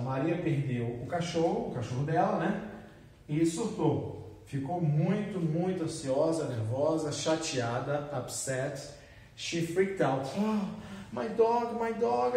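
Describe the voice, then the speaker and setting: A man teaching an English lesson in a classroom, explaining slowly and repeating drill phrases. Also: a little high, darkish tone, a little hiss or hum. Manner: switches between explaining and acted example exclamations, slow repeated drills. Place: classroom with whiteboard. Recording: echoey room, voice from a distance.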